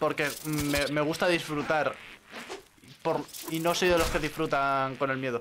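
A man speaks fairly slowly in a fairly high, flat monotone, keeping his loudness very even and leaving long, frequent pauses. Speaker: gaming streamer. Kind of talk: casual gameplay chat. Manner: halting.

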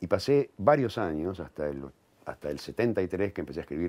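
With a very deep, low pitch and a dark, mellow tone, a man speaks at a moderate pace. Vocal fry runs through his voice. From Argentina. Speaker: novelist; interviewee. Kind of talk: interview. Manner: halting. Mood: calm, thoughtful recollection. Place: home room. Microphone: lapel.

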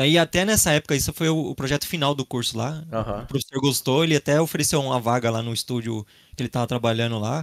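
At a very fast pace, a man speaks with hardly any pauses. His medium pitch has ordinary pitch variation, in a dry, close sound with no echo. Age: 30s. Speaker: 3D character artist for games. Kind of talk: casual interview on live stream.

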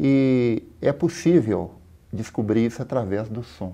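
A man's voice with a dark, mellow tone. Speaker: guest. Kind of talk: interview answer. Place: studio.

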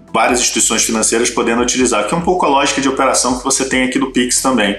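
A man at a very fast pace, with ordinary pitch variation, very even loudness, audible room echo and light background noise. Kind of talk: interview answer. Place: home room. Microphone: earbuds.

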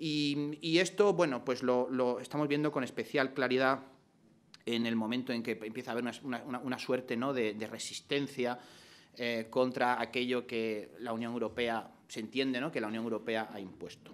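At a moderate pace, this man talks with ordinary pitch variation. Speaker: researcher. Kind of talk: panel talk. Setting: stage with audience. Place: meeting room. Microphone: podium.

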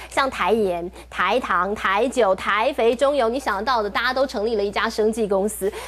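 A woman speaks at a fairly quick pace in a fairly high pitch, with ordinary pitch variation. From Taiwan. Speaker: TV finance show host. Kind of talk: TV talk show hosting. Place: studio. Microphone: lapel.

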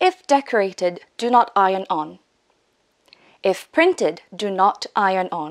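Against a quiet background, a woman speaks at a fairly slow pace with ordinary pitch variation and long, frequent pauses. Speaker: fashion YouTuber. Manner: deliberate, even, list-like reading. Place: home room.

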